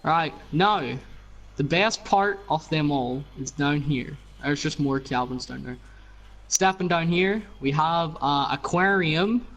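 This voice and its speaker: A man's voice: a little high, takes it slowly, a bit bright, low-quality recording. A man casually showing other players around his game build, rambling with lots of fillers over voice chat. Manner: rambling, many fillers and "you know". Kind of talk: casual game tour narration.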